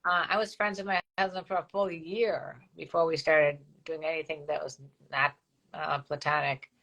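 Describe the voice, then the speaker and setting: Older woman host, frank and racy, low bright tone, reads viewer comments. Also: fairly even intonation, moderate pace, vocal fry, rough recording. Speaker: co-host of a live stream show. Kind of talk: casual chat.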